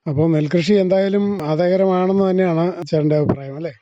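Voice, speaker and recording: A man's voice: high-pitched, quick pace, warm tone, no echo. A man with a Kerala accent working as a radio interviewer, asking conversational, inquisitive questions and checking the answers. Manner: inquisitive, often ends with confirming tag questions. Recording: dull, band-limited dry radio recording.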